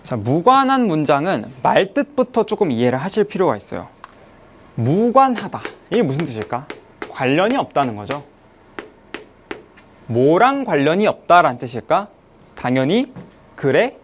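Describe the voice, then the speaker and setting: In an online exam-review lecture, an English teacher explains step by step, posing questions and answering them herself or himself. The medium-pitched voice swings widely in pitch, with slight hiss or hum. English sentences are read slowly and then glossed, and the speech to students mixes polite and casual forms.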